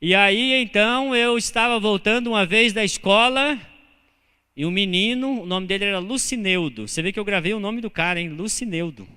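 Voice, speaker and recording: A man with a Brazilian Portuguese accent preaching a sermon as pastor, telling humorous personal stories with animated delivery. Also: sits high, normal speed, clear, resonant tone. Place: church sanctuary. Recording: church hall reverb.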